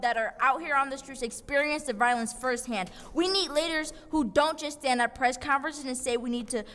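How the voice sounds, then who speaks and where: A young woman speaks at a city council meeting, her comments impassioned and accusing. Her voice sits fairly high. It rings with the long reverb of a council chamber. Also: a bit bright. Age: young adult. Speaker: public commenter. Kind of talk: prepared public comment.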